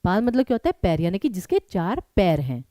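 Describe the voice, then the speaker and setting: A young woman teaching a live online exam-prep class, brisk and urging students to answer quickly, mixing English words into her Hindi. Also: mid-range voice, big pitch swings, warm tone, no room sound.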